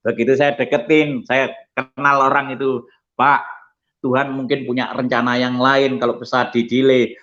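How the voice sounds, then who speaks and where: A male pastor giving an animated testimony sermon, telling stories and acting out the people in them. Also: medium pitch, normal speed, highs cut off. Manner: animated storytelling, acts out quoted voices.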